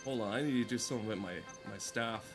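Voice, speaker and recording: Deadpan man commentating over game music. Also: fairly low pitch, fast. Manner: deadpan, mock-solemn. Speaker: gameplay streamer. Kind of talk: casual gameplay commentary.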